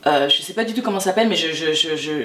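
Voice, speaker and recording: Woman from Martinique, 30s, interview guest; chatty and halting, off-mic in a roomy space. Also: deep voice. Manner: chatty, animated, many restarts and repeated words. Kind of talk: casual interview chat. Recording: echoey room, distant mic, faint background.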